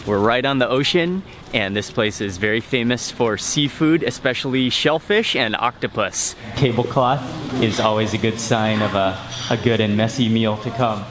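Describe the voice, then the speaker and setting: Man narrating his travel vlog. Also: medium pitch. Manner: upbeat, descriptive, talks to the camera. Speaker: travel food vlogger. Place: outdoors and in public places while traveling.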